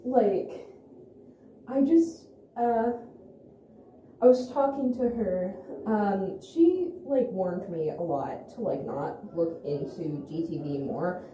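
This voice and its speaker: A woman playing an awkward, hesitant young amateur investigator who talks haltingly in a found-footage vlog. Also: medium pitch, very animated, dark tone. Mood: hesitant, earnest. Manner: halting, hesitant, full of restarts. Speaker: video host and interviewer. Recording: roomy echo, faint noise, handheld camera.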